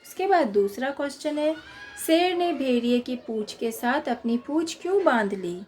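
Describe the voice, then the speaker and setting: A woman's voice: high-pitched, expressive, moderate pace, a little mellow, slight background noise. A woman teacher explaining a children's workbook lesson, reading out questions and patiently dictating the answers.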